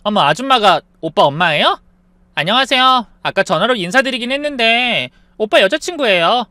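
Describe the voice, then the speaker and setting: A man's voice: sits high, lively intonation, moderate pace, bright, forceful tone, dry recording. A man voicing a brazen, cheeky young woman, the husband's mistress, in a narrated drama story. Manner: cheeky, bold.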